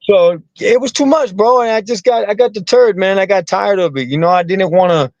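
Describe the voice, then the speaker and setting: Rambling higher-voiced man, dry sound. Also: fairly quick, darkish tone, no echo, dull audio. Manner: rambling, repeats words, streetwise slang. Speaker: comedian and actor guest. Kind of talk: casual interview talk.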